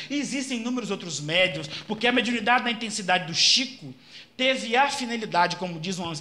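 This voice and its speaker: A man giving an animated storytelling lecture at a Spiritist center, shouting out the cries he retells. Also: high-pitched.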